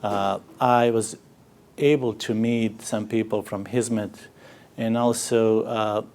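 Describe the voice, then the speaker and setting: A middle-aged man from Sarajevo with a Bosnian accent, speaking English in a halting way with many "uh" fillers as he tells his story in an interview. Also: fairly low pitch, steady tone, a little mellow. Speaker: interviewee, community organizer. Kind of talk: personal testimony in an interview.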